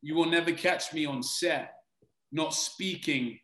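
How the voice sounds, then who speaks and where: A man's voice: on the high side, a little slow, fairly bright tone, reverberant, rough recording. A man from Britain with a British accent, an actor answering interview questions in an earnest, reflective way with frequent restarts.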